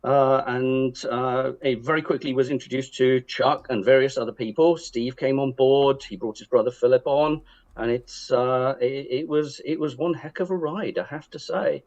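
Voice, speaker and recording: A man introducing himself as a panel guest, wry and hesitant, pausing on many fillers. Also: mid-range voice, fairly even intonation, darkish tone, muffled recording. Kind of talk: casual introduction.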